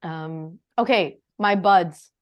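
A woman's voice: lowish voice, takes it slowly, dull audio. A young woman hosting a podcast, chatting casually and giggling often. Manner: giggly, chatty, with frequent laughs and fillers. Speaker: podcast host. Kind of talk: casual chat.

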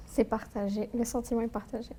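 A woman from Algeria whose first language is Algerian Arabic, speaking in a mellow, husky voice that sits fairly high. Her delivery is flat and fairly quick, yet earnest and thoughtful, with frequent hesitations. She's a tax lawyer appearing as a guest in a personal interview, recounting her life.

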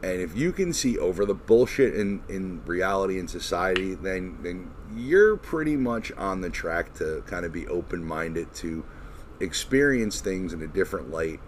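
A man hosting a podcast, chatting casually in a halting, informal way with some swearing. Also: sits low, expressive. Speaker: podcast host. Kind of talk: casual chat. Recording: noisy recording.

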